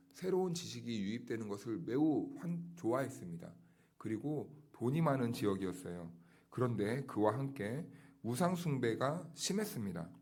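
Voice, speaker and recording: A man's voice: medium pitch, darkish tone. Man preaching an explanatory sermon. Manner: explanatory, rhetorical questions, conversational preaching. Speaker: pastor. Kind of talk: dawn service sermon.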